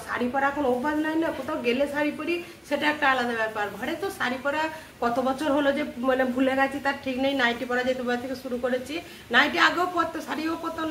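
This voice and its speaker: A woman's voice: high voice, sharp tone. Middle-aged female homemaker vlogger, chatty and informal, repeats herself for emphasis, recorded indoors with slight noise. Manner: chatty, addresses viewers directly, repeats phrases. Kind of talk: casual narration of a daily home vlog. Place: indoors at home.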